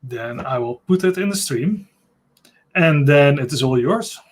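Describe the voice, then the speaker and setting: Guy hosting a live video call talk, slightly high voice, short friendly questions, webcam mic. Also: expressive, measured pace. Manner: friendly, brief prompting questions. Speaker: host. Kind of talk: casual livestream talk.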